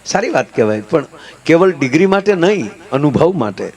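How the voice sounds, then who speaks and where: A man performing folk comedy on stage. He tells stories in a lively way and slips into character voices and chants. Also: fairly high pitch, normal speed. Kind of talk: Gujarati folk comedy storytelling.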